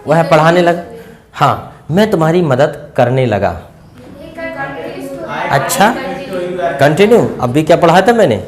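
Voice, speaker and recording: A man with an Indian accent teaching English grammar to a class, repeating example sentences and stretching out the English ones very slowly, with chatty asides to his students. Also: on the high side, sing-song.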